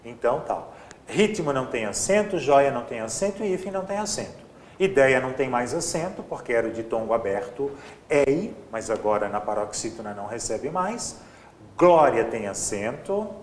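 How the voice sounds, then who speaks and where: A man teaches an exam-prep grammar class, walking through each answer step by step. His pitch swings widely as he stresses each point. He sounds like he is in a roomy, echoing space with a faint hum of ambience behind him. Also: expressive, normal speed. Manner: explains step by step, often adds "ó" and "tá?".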